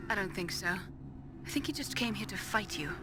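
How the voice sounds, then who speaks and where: A woman playing a grave, remorseful scientist with secrets in a dramatic video game, explaining in a measured, clinical way. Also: mid-range voice, lively intonation, noisy background, natural voice. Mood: subdued, reflective. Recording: loud music behind the voice.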